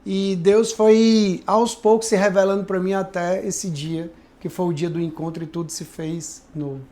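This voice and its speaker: A pastor recounts his life testimony in a podcast conversation with earnest reflection and plenty of tag questions. His voice sits high with a dark tone, fairly even intonation, and normal speed.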